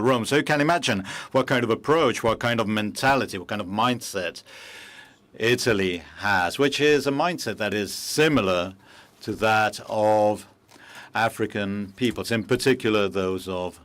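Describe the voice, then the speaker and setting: Slow, halting male interpreter voice. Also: on the low side, fairly bright tone. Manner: measured, halting, with frequent pauses and fillers. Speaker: conference interpreter. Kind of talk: simultaneous interpretation of a formal speech.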